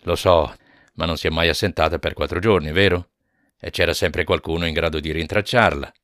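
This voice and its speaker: A man voicing a grave police inspector who questions calmly in short, clipped lines. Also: low-pitched, brisk, no echo, studio quality. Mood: probing.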